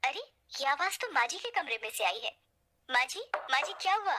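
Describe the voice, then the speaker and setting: A woman voicing a gentle, devoted young bride in a spoken storybook tale, talking in a caring way. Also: sits high, big pitch swings, normal speed, noisy background. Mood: worried.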